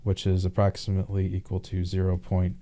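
Low, monotone male tutor, mellow. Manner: halting, thinking aloud. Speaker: math tutor. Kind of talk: informal worked-problem tutorial.

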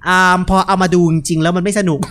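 A young man gives casual, joking horror game commentary, relaxed and unafraid, speaking into a headset mic. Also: sits high, fast. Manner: laid-back, joking, unafraid. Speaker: gaming video host.

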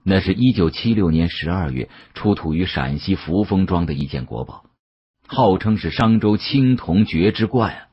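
A man narrating an audiobook as a dramatic storyteller, with an expressive, conversational delivery. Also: low voice, moderate pace, breathy edge, lo-fi sound.

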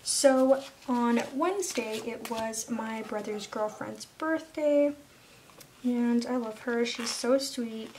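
A young woman narrates her planner at an unhurried, drawn-out pace, her voice sitting a little high. She chats in a loose, casual way. The recording carries clear background noise. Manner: chatty, slips into soft whispers at times. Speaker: planner vlogger.

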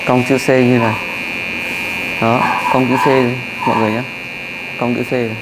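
A young man, a barber calmly explaining each step of a haircut and repeating himself, recorded on a lapel mic in a busy barbershop. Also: medium pitch, moderate pace, heavy background noise. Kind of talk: casual step-by-step demonstration. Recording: clippers buzzing behind. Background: electric clippers and shop chatter.

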